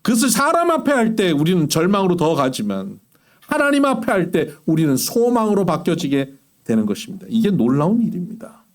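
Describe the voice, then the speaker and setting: A man preaching a sermon as pastor, acting out anguished complaints to God with sharp rises and falls. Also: huge pitch swings, brisk. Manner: impassioned, acting out complaints in prayer with big pitch swings.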